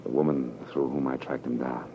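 A man acting a wry, world-weary private detective in a 1940s radio drama, with clipped, slangy, deliberate delivery. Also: rumbling low, fairly even intonation, background noise. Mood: gentle, subdued. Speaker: lead actor and narrator. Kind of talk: 1940s radio drama acting, first-person noir narration. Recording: muffled old radio broadcast, music behind.

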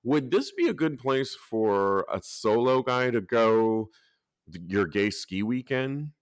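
A man hosting a casual podcast, talking lively and reading out articles and listener posts. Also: mid-range voice, takes it slowly, smooth, no room sound, clean studio sound. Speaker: podcast host.

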